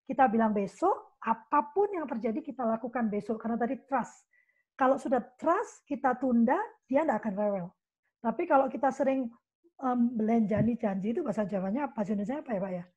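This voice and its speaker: A woman's voice: fairly high pitch, animated, fairly quick, darkish tone, slightly rough. A middle-aged woman giving a conversational talk on parenting. She talks animatedly and acts out the things she says to her child. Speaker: parenting guest speaker. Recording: dull lo-fi sound.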